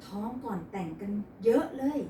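A woman's voice: mid-range voice, normal speed, mellow, a little hiss or hum, lightly acted. A woman voicing a brash, crude playboy son in a read-aloud romance novel, recorded in an echoey room from a distance. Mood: excited. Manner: crude, teasing.

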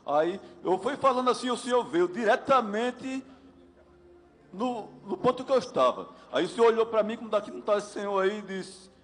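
High-voiced man testifying. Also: lively intonation, normal speed, a bit bright. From Alagoas, Brazil. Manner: earnest storytelling, quoting himself. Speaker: congregant giving testimony. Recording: long hall reverb.

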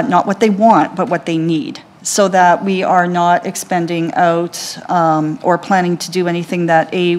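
A woman, a library system executive, answering council questions in a clear, businesslike way from a council chamber desk mic. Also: fairly low pitch. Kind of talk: formal presentation answers.

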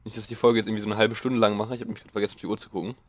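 A young man with a slightly hoarse voice, rambling casually through gameplay commentary and mocking himself as he goes. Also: fairly low pitch, little pitch movement, very fast. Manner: rambling, self-mocking, thinking aloud. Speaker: let's play host.

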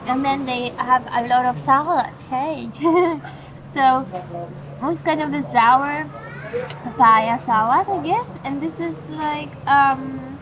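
Female travel vlogger, high voice, eager casual explaining, recorded with heavy rain behind. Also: slow pace. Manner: eager, explaining plans and food. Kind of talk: casual vlog talk. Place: open-air eatery in rain. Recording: loud rain noise behind.

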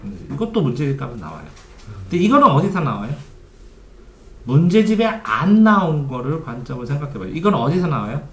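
With a fairly high pitch and a brisk, very animated delivery, a male study coach walks listeners through a study method in stages. He poses questions and then answers them himself; the room echoes and there's faint background noise.

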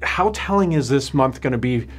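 A man's voice: medium pitch, lively intonation, normal speed, a little hiss or hum. A man in his forties hosting a sports panel in a studio, asking the guests conversational questions on a lapel mic. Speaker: host. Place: studio with panel seated on stools.

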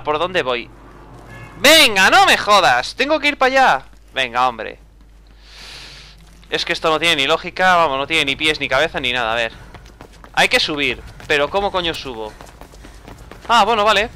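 Cursing at setbacks and muttering to himself, a young man gives an exasperated, casual running commentary on his game. His voice sits on the high side and is bright, crisp and clear, rising and falling animatedly.

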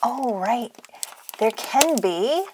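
A woman's voice: on the high side, lively intonation, drawn-out words, noisy background. A woman hosting a toy unboxing for children, narrating playfully in a gushing, exclamatory, sing-song way. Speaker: toy unboxing video host.

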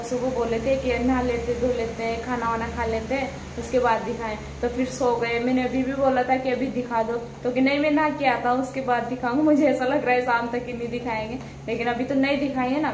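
A woman's voice: fairly high pitch, fairly even intonation, fairly quick, hardly any pauses, roomy sound, background noise. A young woman chatting casually to her viewers in a home vlog. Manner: chatty, addresses viewers as guys. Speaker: vlogger. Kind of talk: casual vlog talk to camera.

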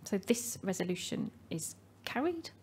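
A woman's voice: mid-range voice, big pitch swings, a little mellow, a little hiss or hum. Woman reading results at a podium. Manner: measured, reading names slowly. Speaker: announcer of election results. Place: meeting hall. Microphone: podium microphone.

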